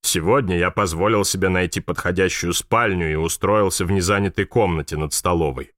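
A man's voice: sits low, fairly quick, a bit bright, dry recording, studio quality. A man doing a pompous army sergeant. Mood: stiff, self-important. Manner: stiff, self-important. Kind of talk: audiobook reading.

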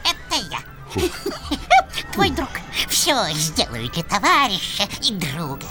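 A woman playing a sly, wheedling little male devil with a squeaky voice in a theatrical audio drama. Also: wildly swooping pitch. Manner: wheedling, drawn-out, giggly. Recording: music behind the voice.

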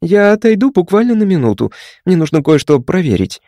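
A man's voice: a little high, sing-song, normal speed, a little mellow, no room sound, clean studio sound, pitched above the performer's own voice. A man voicing a polite, curious young woman psychiatrist who asks careful questions. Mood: hurried.

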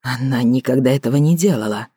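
A woman narrator voicing a calm, restrained man who speaks quietly and in a measured way. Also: extremely low pitch, breathy edge, no room sound, studio quality. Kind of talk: audiobook character voicing.

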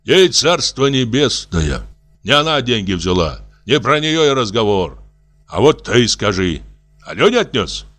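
A man's voice: medium pitch, sing-song, a little slow, a bit bright, soft background music. A man voicing a blunt, commanding older village elder. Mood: stern.

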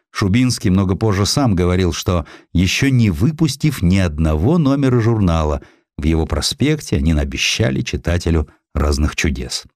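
Low-voiced, animated male audiobook narrator. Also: no room sound, studio quality. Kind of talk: expressive scripted narration of a historical sketch.

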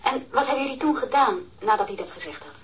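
An actress playing a calm, kindly policewoman in her twenties, questioning patiently in a crime radio drama. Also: fairly high pitch, quick pace, close to an everyday voice, poor audio. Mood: patient, probing. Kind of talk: audio crime drama acting.

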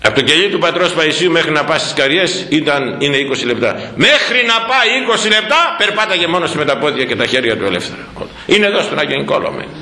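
Bright-voiced preaching man, lively. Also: a little high, roomy sound, low-quality recording. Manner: animated storytelling, rhetorical questions, repeats words. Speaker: priest, former head of a parish church. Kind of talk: sermon.

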